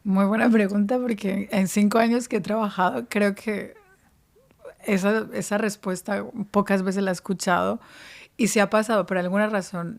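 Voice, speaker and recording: Flat-toned woman giving career advice. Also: medium pitch, gravelly. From Spain. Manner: explanatory, evenly paced answers. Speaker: podcast guest, career advisor. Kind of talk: interview podcast.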